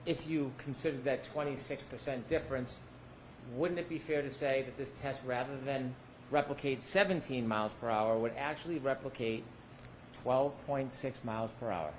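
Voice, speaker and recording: A man's voice: medium pitch, moderate pace, a little hiss or hum, low-quality recording. Male trial lawyer, pointed cross-examiner, mid-range voice, courtroom recording. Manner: pointed leading questions with tag endings. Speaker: defense attorney.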